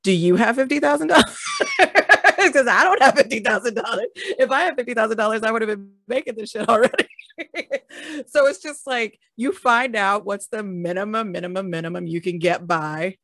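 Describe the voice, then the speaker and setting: A woman's voice: a little high, a little fast, fairly bright tone, dry recording. A woman who creates audio dramas, talking frankly in a casual panel, laughing often and swearing now and then.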